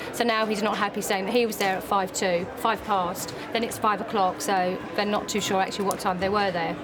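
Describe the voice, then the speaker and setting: A woman working as an airline manager, speaking in a firm, curt, insistent way. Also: medium pitch. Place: busy airport terminal. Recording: loud crowd and airport noise behind.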